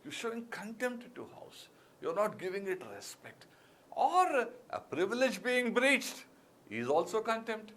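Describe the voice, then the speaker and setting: In his classroom lecture, the civil services exam teacher uses big pitch swings at an unhurried pace, with a high, fairly bright voice. His Indian English accent comes with emphatic repetition of key words and frequent fillers.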